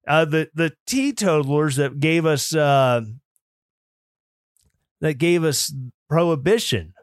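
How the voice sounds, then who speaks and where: A man hosts his own political podcast from a home studio, talking in an opinionated, mocking way. His voice sits a little high for a man. The recording is close and dry, with almost no room sound. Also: lively intonation, slow, clean tone, dry recording. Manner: opinionated, mocking, mimics opponents in put-on voices. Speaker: podcast host.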